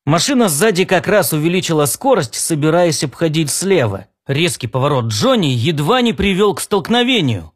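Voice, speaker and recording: A man narrating a science fiction story in an expressive, storytelling manner. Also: a little high, moderate pace, few pauses. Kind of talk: scripted audiobook narration.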